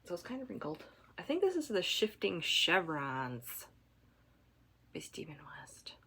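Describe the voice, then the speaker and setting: A woman from Michigan hosting a knitting podcast, chatting casually to camera at home while congested, rambling with fillers and soft asides. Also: on the low side, sing-song, unhurried, breathy edge. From Michigan, USA.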